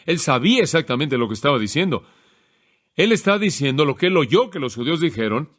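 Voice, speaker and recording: A man delivers an expository sermon with measured, explanatory teaching. His voice sits a little higher than most men's. He slows down deliberately to stress key phrases as he works through the text. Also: sing-song, a bit bright. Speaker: preacher.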